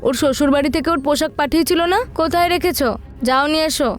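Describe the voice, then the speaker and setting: নারীকণ্ঠে গ্রামের ঠোঁটকাটা জেঠিমা, চড়া গলা. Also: female voice, high voice, quick pace, soft background music, close to an everyday voice. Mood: bossy, hurried. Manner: blunt, scolding, bossy. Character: outspoken, suspicious elder aunt of a village bride. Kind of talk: audio horror story dialogue.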